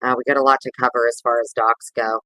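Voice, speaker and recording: A man's voice: mid-range voice, flat delivery, fast, pushed and bright, no room sound, low-quality recording. A man hosting a casual livestream, chatting with viewers in a rambling, over-caffeinated, sweary way. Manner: informal, sweary slang. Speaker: livestream host.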